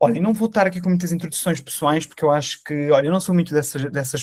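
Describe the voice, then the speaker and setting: A man speaks with a European Portuguese accent and fairly even intonation. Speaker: professor. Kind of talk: lecture. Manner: fast.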